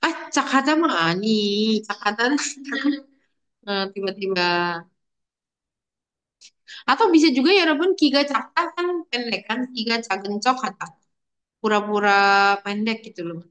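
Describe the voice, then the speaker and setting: A woman's voice: fairly high pitch, expressive, measured pace, long pauses, fairly bright tone. Chatty, playful woman language teacher. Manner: chatty and playful, addresses students directly. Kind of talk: online language lesson.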